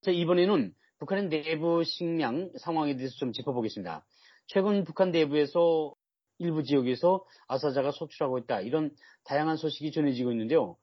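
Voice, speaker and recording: A man's voice: fairly high pitch, fairly quick, no echo, lo-fi sound. A man from North Korea working as a public radio host, presenting an interview program and addressing listeners.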